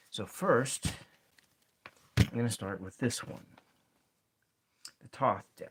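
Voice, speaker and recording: The speaker mumbles in a soft-spoken way at a very slow pace, with long, frequent pauses. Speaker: tarot reader. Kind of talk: casual ASMR talk about tarot decks. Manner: soft-spoken, mumbling.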